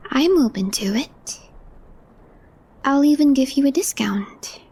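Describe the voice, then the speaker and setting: A woman playing a calm, deadpan, quietly mischievous young office coworker in an ASMR roleplay, speaking softly in a hushed, understated way. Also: high-pitched, slow pace, full character voice. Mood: sly, curious. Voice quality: soft, breathy, hushed.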